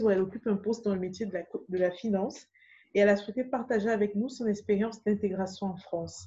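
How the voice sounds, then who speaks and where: A woman talks at a very fast pace with fairly even intonation. Her medium-pitched voice is somewhat breathy. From Cameroon. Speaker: podcast host. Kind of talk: interview.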